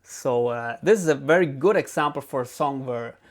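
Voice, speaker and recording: A man's voice: medium pitch, normal speed. German-accented man reviewing an album. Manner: relaxed, hesitant, lots of ums and restarts. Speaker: guitar channel host.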